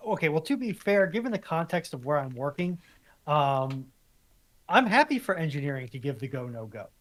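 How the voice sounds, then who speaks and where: A man's voice: a little high, big pitch swings, normal speed, a bit bright. A man chatting casually on a livestream with a wry, self-deprecating manner. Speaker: co-host or guest on livestream. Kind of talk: casual chat.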